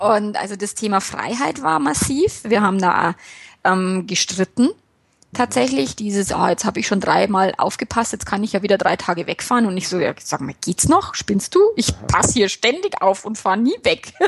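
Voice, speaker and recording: At a moderate pace, a woman with a medium pitch and a somewhat breathy voice speaks with lively intonation. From Bavaria, Germany. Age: 40s. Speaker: love coach and speaker. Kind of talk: interview.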